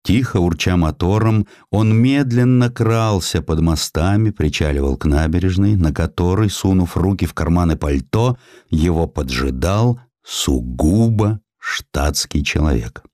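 A man with a deep voice narrates literary prose in a dramatic audiobook style. His delivery is deliberate, with measured pauses. The recording is close and dry, as in a studio. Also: mellow, no echo.

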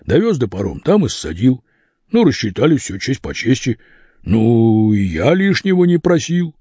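A man's voice: medium pitch, big pitch swings, normal speed, mellow, husky, dry recording. A man doing a lazy grumbling driver. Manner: drawling, grumbling. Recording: dull lo-fi dry recording.

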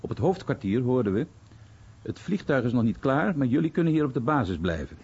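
Tired troubled war veteran, really husky, subdued, radio drama, muffled sound. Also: male voice, medium pitch, big pitch swings, a little fast, a little mellow. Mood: reflective. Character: weary, troubled American veteran recalling his bomber crew days. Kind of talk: radio documentary drama narration and dialogue.

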